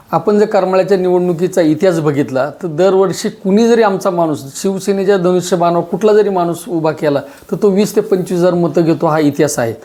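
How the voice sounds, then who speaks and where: Forceful high-voiced politician. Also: male voice. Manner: forceful, declarative, repetitive. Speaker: local party leader. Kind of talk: press statement.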